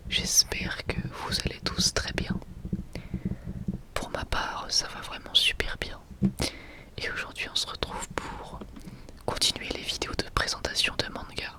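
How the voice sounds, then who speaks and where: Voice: unhurried, long pauses. Whispered ASMR voice. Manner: soft unvoiced whispering, hesitant and unscripted. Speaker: ASMR video creator presenting a manga collection. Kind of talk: whispered ASMR, casual presentation.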